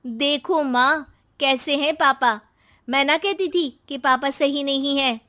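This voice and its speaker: Woman voicing a cartoon daughter, scheming, whiny, high-pitched. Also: takes it slowly, bright, forceful tone, heavily acted. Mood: wheedling. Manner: whiny, wheedling, manipulative. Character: scheming young woman plotting to seize family home.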